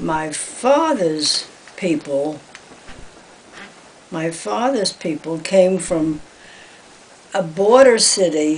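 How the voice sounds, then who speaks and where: The voice moves at a very slow pace with lively intonation, over noticeable background noise. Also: woman. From New York, Far Rockaway. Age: 90s. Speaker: interviewee, elderly relative. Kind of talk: family interview.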